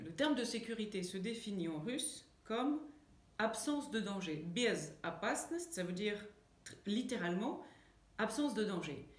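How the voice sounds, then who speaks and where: A French woman, an author, answering interview questions with many fillers and restarts. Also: mid-range voice. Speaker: author and guest. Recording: echoey room.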